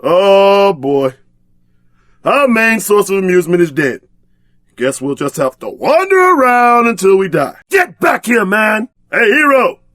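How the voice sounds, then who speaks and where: A man's voice: sits high, very animated, measured pace, a bit bright, no room sound, clean studio sound, heavily acted. An actor voicing a brash, trash-talking tough-guy sidekick in a video game, bombastic and streetwise in exaggerated combat barks. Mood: disgusted, gloomy, then exasperated.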